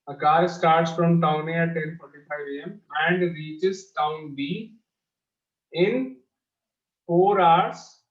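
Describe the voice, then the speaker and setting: A man's voice: on the high side, takes it slowly. A male maths teacher with a South Asian accent explains step by step to pupils, repeating his phrases. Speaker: mathematics teacher. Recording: dull, echoey lo-fi class audio.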